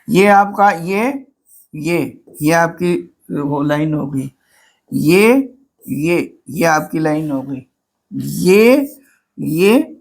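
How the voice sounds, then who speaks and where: A man teaching an exam-prep lecture, who asks the class questions and answers them himself, mixing Hindi with English terms and drawing out key words slowly. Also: fairly high pitch.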